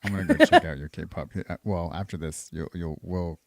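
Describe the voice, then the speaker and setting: A man's voice: low-pitched, a little fast, creaky, a little mellow, no room sound. A man hosting a podcast, chatting in an easygoing, joking way. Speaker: podcast host. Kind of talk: casual interview chat.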